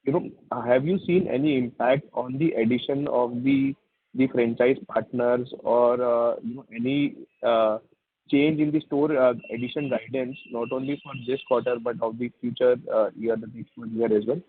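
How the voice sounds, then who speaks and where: Hesitant Indian man, husky over the phone. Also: medium pitch, fairly even intonation, normal speed, no room sound. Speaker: analyst caller. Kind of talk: earnings call questioning. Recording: muffled narrow phone line.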